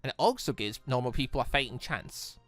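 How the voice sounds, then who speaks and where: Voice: medium pitch, lively intonation, brisk, fairly bright tone, pitched below the performer's own voice, close to an everyday voice. A game streamer voicing a breezy, knowledgeable female hunter who explains the world to a student in a casual, confident way. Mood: matter-of-fact. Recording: music playing under the voice.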